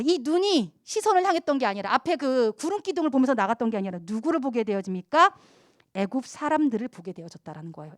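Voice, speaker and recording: Lively, high-voiced woman pastor preaching. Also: no room sound, studio quality. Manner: animated storytelling, acting out quoted friends. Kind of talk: youth sermon.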